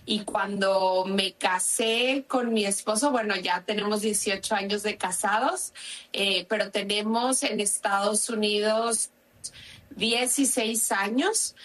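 A Mexican woman in her forties, a psychologist and family therapist, talking in a slow, friendly, thoughtful way as a radio guest. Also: mid-range voice, a bit bright, far from the mic, poor audio. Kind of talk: interview.

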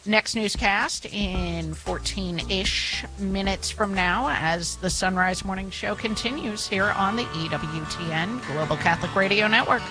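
A woman reading radio headlines and interviewing a guest in a brisk, matter-of-fact way. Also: on the low side, low-quality recording. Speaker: news anchor and co-host.

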